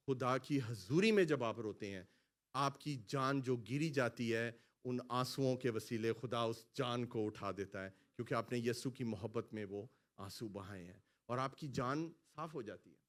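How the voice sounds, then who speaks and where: A male pastor preaching a sermon in a church hall, calling out lines for the congregation to repeat and swinging between loud exclamations and quiet asides. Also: medium pitch. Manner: preaching, has the congregation repeat phrases after him. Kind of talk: sermon with call-and-response.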